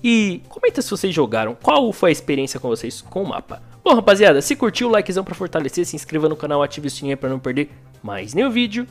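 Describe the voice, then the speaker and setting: A young man with a Brazilian accent commentates his own gameplay, bursting into exclamations and slang. His pitch leaps up and down constantly, and faint game music plays underneath. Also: very animated, fast talker. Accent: Brazilian Portuguese. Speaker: gaming YouTuber.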